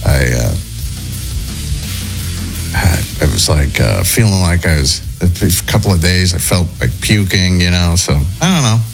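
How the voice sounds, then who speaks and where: A male morning radio host with a low voice that swings widely in pitch. He sounds under the weather and is losing his voice, often stopping and restarting as he talks. Music plays clearly behind him in the studio. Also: animated. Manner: hesitant, halting delivery. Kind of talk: morning radio talk show.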